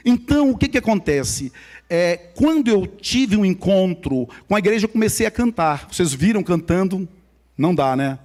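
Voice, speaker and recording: Man, Maranhão accent, high-pitched, church testimony, talks straight to the congregation. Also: very animated, normal speed, darkish tone. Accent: Maranhão Brazilian Portuguese. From São Luís, Maranhão, Brazil. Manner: conversational storyteller, speaks directly to the audience. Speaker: guest speaker at church.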